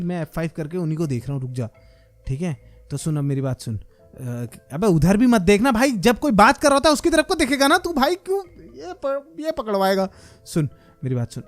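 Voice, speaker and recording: A man hosting a casual Minecraft role-play video, talking with energetic, slangy banter and teasing insults. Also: sits high, normal speed, faint music behind. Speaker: gaming YouTuber host.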